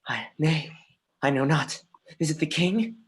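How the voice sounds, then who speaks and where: A husky, mid-pitched voice plays an anguished young prince in an actor's stage reading. The delivery is declamatory Shakespearean verse, accusing and scornful. It moves between muttering and outbursts, with the odd stumble over a line. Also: measured pace. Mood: agitated, accusing. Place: remote livestream from home.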